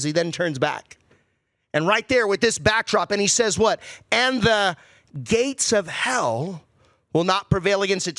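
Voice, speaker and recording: Bright, high-voiced preaching pastor. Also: male voice, no room sound. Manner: conversational, rhetorical questions to the congregation. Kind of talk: sermon.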